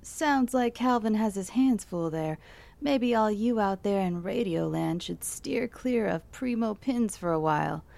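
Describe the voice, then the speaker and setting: A woman playing a gravelly late-night DJ. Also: medium pitch, lively intonation, a little slow, darkish tone, a little hiss or hum. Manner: easygoing, breezy radio patter. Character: smooth-talking female late-night radio DJ. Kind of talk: audio drama acting.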